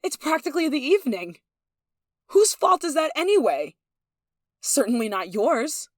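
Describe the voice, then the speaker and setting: A woman's voice: high voice, very animated, moderate pace, dry recording. A woman acts out a domineering young noblewoman in an intimate audio roleplay. She is haughty, jealous and possessive, handing down clipped commands as someone used to being obeyed. The recording is dry and close, with no room sound. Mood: indignant, jealous. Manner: imperious, indignant, sighing, clipped commands. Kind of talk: yandere ASMR roleplay acting.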